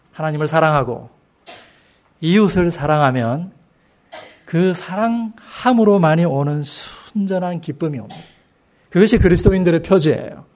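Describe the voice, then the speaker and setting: A middle-aged man gives a sermon from the pulpit of a church. His voice sits a little high for a man. He paces his phrases slowly and presses them home with questions to his listeners. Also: a little mellow. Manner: slow, emphatic delivery with rhetorical questions to the congregation. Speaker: preacher. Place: church sanctuary.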